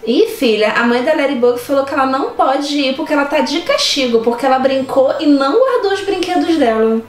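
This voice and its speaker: A woman's voice: sits high, lively intonation, brisk. A woman with a Brazilian accent playing make-believe with a child, speaking from off camera in a home video. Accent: Brazilian Portuguese. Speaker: mother playing pretend phone calls with her child. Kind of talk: playful role-play with a child off camera. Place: small children's room indoors. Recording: distant, roomy home video, loud music.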